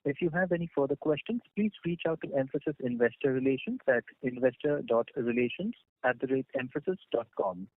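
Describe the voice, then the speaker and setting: A man's voice: medium pitch, animated, brisk, hardly any pauses. A man moderating a conference call as the operator, formal and polite in a scripted style over a telephone line. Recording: dry narrowband phone line.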